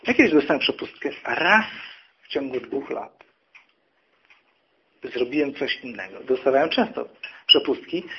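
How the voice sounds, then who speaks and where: A preacher giving a sermon, telling personal stories and acting out the people in them. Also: male voice, medium pitch, slightly rough, lo-fi sound. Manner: storytelling, acting out quoted people.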